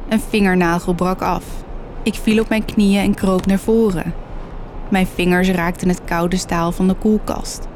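A woman narrating a horror story in a steady, measured way. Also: mid-range voice, a little hiss or hum.

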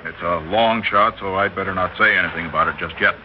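A man playing a measured scientist. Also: low-pitched, close to an everyday voice. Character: reserved male scientist, observatory doctor. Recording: dull old radio recording with hiss.

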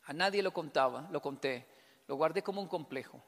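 A man's voice: fairly high pitch, fairly quick, fairly bright tone, in a large hall. A man performing a stand-up comedy monologue, joking, laughing at his own lines and acting out other people's voices. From Colombia.

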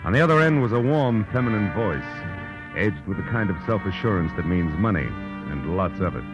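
An actor playing a world-weary private detective in 1940s radio style, terse, wry and deadpan. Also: male voice, low voice, brisk. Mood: wry narration. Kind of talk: 1940s radio acting, first-person noir narration. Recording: dull old radio recording with music.

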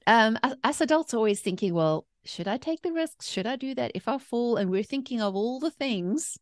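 A woman's voice: a little high, lively intonation, moderate pace, dry recording, clean studio sound. A woman in her forties with a South African accent, telling personal stories in a chatty, emphatic interview style. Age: 40s. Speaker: podcast guest, mindset coach and author. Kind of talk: conversational interview storytelling.

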